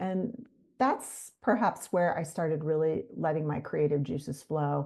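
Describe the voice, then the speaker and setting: With an American accent, a woman talks at a fairly slow pace in a fairly low, dark and mellow tone over a quiet background. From US Midwest, Iowa. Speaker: healthy aging coach. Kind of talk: podcast interview. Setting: podcast.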